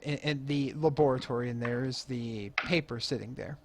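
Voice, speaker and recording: A man's voice: mid-range voice, normal speed, a little hiss or hum. A man narrating a tabletop game as game master, rambling with lots of "um" and "like". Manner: rambling, full of "um" and "like".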